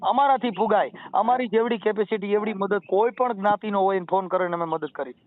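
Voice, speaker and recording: Fast, high-voiced Gujarati man on the phone. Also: dry recording. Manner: forceful lecturing, repeats phrases and talks over the other man. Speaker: social activist on a phone call. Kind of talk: heated, preachy phone argument with folk sayings and verse. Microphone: telephone line. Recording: tinny, narrow-band phone call recording.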